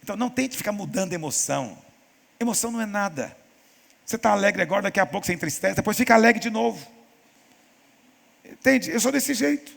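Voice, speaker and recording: A man preaching as a pastor in a church teaching session, telling stories and acting out quoted voices with lively emphasis. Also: high-pitched, fast talker, vocal fry, long pauses, long reverb tail. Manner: animated storytelling, acts out quoted voices.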